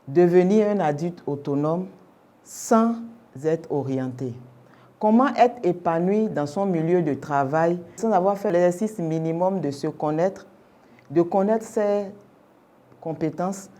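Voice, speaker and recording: A young adult woman, a Yoruba native speaker, answering interview questions as an orientation specialist in a measured, explanatory way with rhetorical questions. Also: low-pitched, mellow. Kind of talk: formal radio interview answers.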